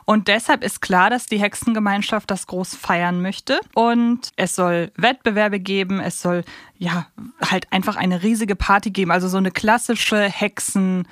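A woman's voice: mid-range voice, fairly even intonation, unhurried, a bit bright, dry recording, studio quality. A woman co-hosting a podcast with a casual, conversational recap and commentary. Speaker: podcast co-host.

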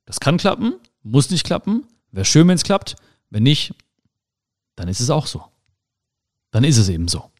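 A young man talks straight to his listener in a casual advice monologue, reflective and personal. His pitch swings up and down in a lively way as he acts out small imagined conversations. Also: normal speed, long pauses. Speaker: podcast host.

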